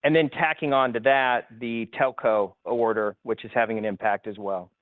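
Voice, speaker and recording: A man speaking as a finance executive on an investor call, explaining in a measured, businesslike way. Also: mid-range voice, steady tone, no echo. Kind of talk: prepared but spoken answers on an investor conference call. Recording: narrow tinny phone conference line.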